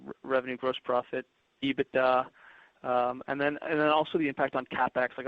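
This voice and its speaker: Flat-toned male analyst on a dull line. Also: medium pitch, no room sound. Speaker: financial analyst. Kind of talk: spontaneous questioning on an earnings call. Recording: dull dry phone line.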